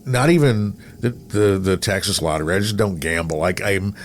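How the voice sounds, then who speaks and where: A middle-aged man from Minnesota co-hosting a casual interview, talking in a rambling, halting way and often repeating himself. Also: low-pitched, slight background noise. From Minnesota, United States. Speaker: podcast co-host, radio veteran.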